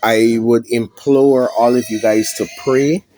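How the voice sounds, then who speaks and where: A man with a Guyanese accent, hosting his own channel from home, speaking in a heavy, halting way with many pauses and fillers. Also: mid-range voice, fairly even intonation, mellow, no echo, poor audio. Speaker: MMA prediction channel host. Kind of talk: somber direct-to-camera talk. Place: at home indoors.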